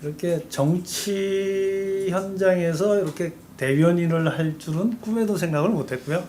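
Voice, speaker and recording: Animated Korean man telling history. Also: high voice, moderate pace. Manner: animated storytelling, talks through history at length. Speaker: campaign spokesman. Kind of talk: guest in a live web talk show. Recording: faint background noise, live stream.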